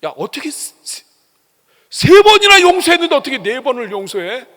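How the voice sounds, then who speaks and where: A man's voice: very high-pitched, very animated, moderate pace, bright, forceful tone, big-room sound, voice pushed up, exaggerated voice. A pastor voicing a taunting male devil, goading with mocking questions.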